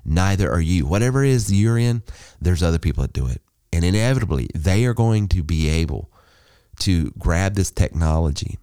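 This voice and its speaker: A man's voice: low-pitched, animated, normal speed, warm tone, smooth, no room sound, clean studio sound. A man hosting a business podcast, talking emphatically and persuasively in repeated listing phrases. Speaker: podcast host. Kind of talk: solo business podcast monologue.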